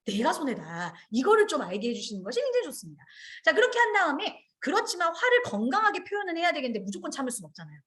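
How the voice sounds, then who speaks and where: Woman trainer, middle-aged, high lively voice, acts out classroom lines. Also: racing. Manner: animated, acts out children's and teachers' lines. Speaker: early childhood education trainer. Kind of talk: online teacher training lecture.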